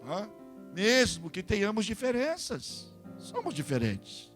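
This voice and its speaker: A Brazilian man preaches to his congregation in a high, lively voice that leaps around, acting out little exchanges between church members. A guitar plays clearly behind him throughout the service. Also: slow. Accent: Brazilian Portuguese. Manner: tags lines with questioning "hã?". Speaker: pastor. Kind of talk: sermon. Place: church service with live music. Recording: church sermon over guitar music.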